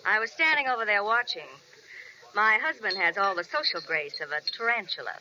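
A woman's voice: mid-range voice, lively intonation, a little fast, background noise, natural voice. A woman playing a bitter, sardonic American wife in a 1940s radio drama, with an acid wisecracking delivery. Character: bitter, sardonic unhappy wife from New York. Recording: dull, muffled old radio recording.

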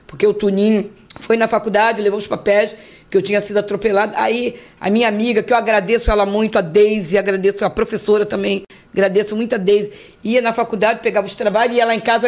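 A woman's voice: medium pitch, fairly even intonation, fast talker. A woman in her fifties with a Rio de Janeiro accent, a podcast guest telling a long personal story in casual chat, acting out the voices she quotes and repeating words for effect. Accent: Rio de Janeiro Portuguese. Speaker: guest, host's mother.

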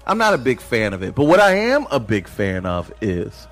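A man's voice: fairly low pitch, huge pitch swings, moderate pace. A man co-hosting a casual pop-culture podcast, joking around and laughing often. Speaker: podcast co-host.

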